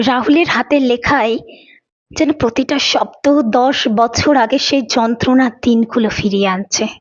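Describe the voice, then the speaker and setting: A woman narrates a dramatic audio story from a script. Her voice sits on the high side, and the recording sounds a little muffled and lo-fi. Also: a little slow. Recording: dull lo-fi recording.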